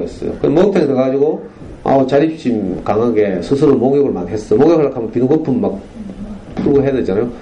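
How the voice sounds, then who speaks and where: 경상도 억양의 중년 남성이 학교 강당에서 학부모들에게 청중에게 질문을 던지며 생생하게 이야기를 풀어내는 강연을 합니다. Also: male voice, medium pitch, a little hiss or hum, low-quality recording. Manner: animated storytelling, rhetorical questions to the audience. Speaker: parenting lecturer. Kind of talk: lively lecture to parents. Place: school lecture hall.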